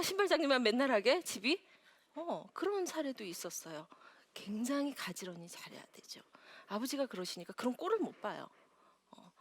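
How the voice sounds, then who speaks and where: Animated woman lecturer. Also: mid-range voice. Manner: animated, acts out quotes, laughs often. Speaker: lecturer and counselor. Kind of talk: lively lecture to a live audience.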